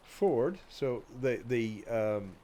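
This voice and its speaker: Stuffy-nosed and coughing from a cold, a video host with a dark, mid-range, nasal voice draws out his words expressively. He rambles hesitantly through a walk-along video with many ums and restarts, and there is slight background noise.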